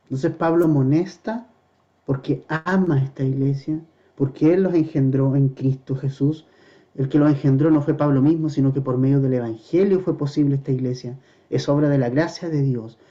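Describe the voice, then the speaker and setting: A pastor delivers a verse-by-verse sermon, earnestly posing rhetorical questions to the congregation and slowing down to stress scripture quotes. His mid-range voice is mellow with fairly even intonation, and the recording is muffled.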